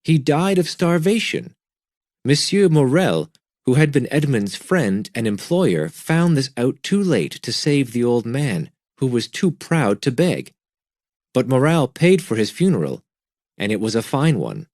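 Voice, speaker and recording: A man's voice: medium pitch, very animated, measured pace, darkish tone, no room sound, pitched above the performer's own voice. A man voicing a sly, fawning middle-aged innkeeper who speaks eagerly and turns indignant, with a dry, close sound. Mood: earnest, indignant.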